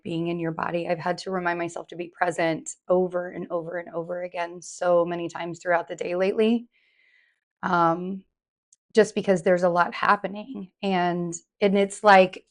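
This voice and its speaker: A woman with a hoarse, slightly raspy voice, giving viewers a casual, rambling update full of fillers and restarts. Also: fairly low pitch. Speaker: tarot reader and vlogger. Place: home in New York.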